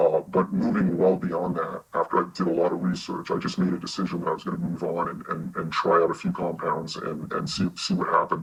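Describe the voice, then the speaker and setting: Talking at a fairly quick pace, the man leaves hardly any pauses. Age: 60s. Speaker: live Q&A caller. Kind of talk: casual chat. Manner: halting.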